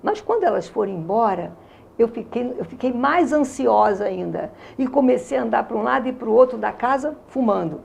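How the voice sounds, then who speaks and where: Brief: Carioca woman, 60s, high but dark, gravelly tone, emotional testimony. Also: expressive, moderate pace, a little hiss or hum. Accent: Carioca Brazilian Portuguese. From Rio de Janeiro, Brazil. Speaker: interview guest giving a testimony. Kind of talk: religious testimony in conversation.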